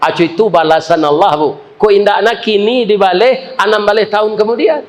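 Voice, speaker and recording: High-voiced Minangkabau preacher. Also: male voice, a little fast. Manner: joking, chuckling asides to the congregation. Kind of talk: humorous sermon storytelling.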